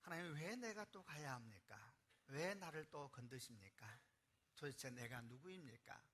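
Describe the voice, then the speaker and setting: A male pastor voicing a weeping, despairing old Moses who cries out to God in slow, hushed anguish. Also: mid-range voice, expressive, slight background noise, close to an everyday voice.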